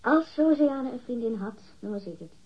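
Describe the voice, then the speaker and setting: A woman's voice: on the high side, lively intonation, brisk, husky. An actress in a radio drama playing a catty, defensive woman witness, disdainful and emphatic as she gossips. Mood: gossipy. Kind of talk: acted radio drama dialogue. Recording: dull, muffled lo-fi radio recording.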